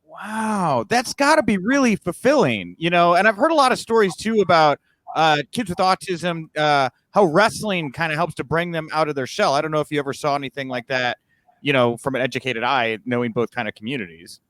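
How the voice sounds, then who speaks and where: A man's voice: fairly high pitch, animated, a little fast, a bit bright, no room sound. A man hosting a casual interview over a video call, chatty and self-deprecating. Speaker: interview host.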